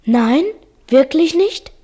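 Small gentle schoolboy, high and mellow. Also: female voice, lively intonation, slow pace. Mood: brave, pleased. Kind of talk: German radio play acting.

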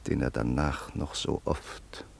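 Solemn family friend in a radio play, deep husky voice, measured and reflective. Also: male voice, steady tone, exaggerated voice. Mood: solemn, elegiac. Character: Hans, grave reflective male family friend narrating a life. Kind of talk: literary radio drama narration and dialogue.

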